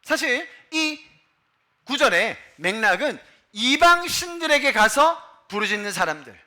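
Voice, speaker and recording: A man preaching a sermon in a church, animated, jumping between loud declarations and hushed asides, often quizzing his congregation. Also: very high-pitched, unhurried. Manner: addresses the congregation directly and quizzes them. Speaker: pastor. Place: church sanctuary.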